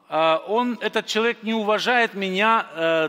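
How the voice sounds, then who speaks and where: A man uses a raised, projected voice. He speaks at a very slow pace with ordinary pitch variation. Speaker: preacher. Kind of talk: sermon. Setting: church.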